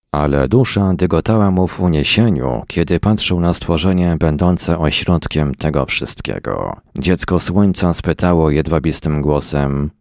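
A man narrating a science fiction story in a measured, even reading voice. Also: rumbling low, no room sound, studio quality. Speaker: audiobook reader.

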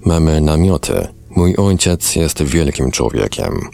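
A weary young woman under hypnosis, read by a man with a very deep, gravelly voice. She answers in slow, subdued, matter-of-fact phrases, with faint music behind. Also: sing-song, darkish tone, heavily acted. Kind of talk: reading a hypnosis session transcript aloud.

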